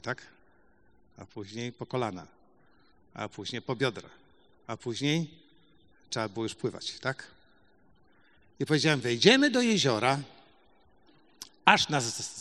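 A middle-aged man telling a testimony in a sermon, swinging from loud emphatic bursts to quiet asides. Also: medium pitch, big pitch swings, a little slow, long pauses. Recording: long hall reverb.

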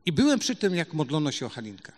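A middle-aged man telling a testimony in a sermon, swinging from loud emphatic bursts to quiet asides. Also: fairly high pitch, very animated, fast. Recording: long hall reverb.

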